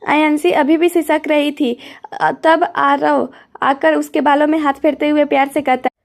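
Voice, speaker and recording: A woman reads a romantic family story aloud, her voice high and fairly level, with a gravelly edge at the bottom. Her delivery is steady, scripted storytelling narration, and she carries every character herself without changing her voice much. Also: normal speed. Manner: reads all characters in a near-plain voice.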